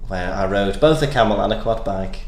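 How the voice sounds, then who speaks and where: Welsh-born bloke, Manchester accent, rambling jokey co-host, echoey room. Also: male voice, lowish voice, a little fast. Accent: Manchester northern English. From North Wales. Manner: rambling, self-deprecating, jokey. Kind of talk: casual comedic chat.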